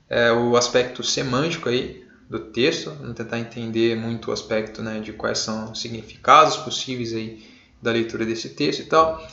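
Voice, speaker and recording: Brazilian male teacher, laid-back lecture, echoey room, muffled lo-fi mic. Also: mid-range voice. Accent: Brazilian Portuguese. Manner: casual, many fillers, checks in with "beleza?"; jokey shouted examples. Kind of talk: online class lecture. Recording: roomy, dull lo-fi sound.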